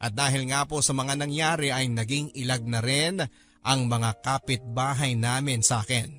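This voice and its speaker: A man reads a personal story in the style of a radio host. His mid-pitched voice is earnest and expressive, delivered in measured phrases over soft music. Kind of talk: dramatic first-person story narration. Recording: music bed behind narration.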